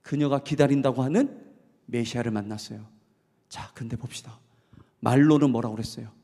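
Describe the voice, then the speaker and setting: A male pastor preaching a sermon, telling a story with lively questions to the congregation and acting out the dialogue. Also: medium pitch, normal speed. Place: church sanctuary. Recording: long church hall reverb.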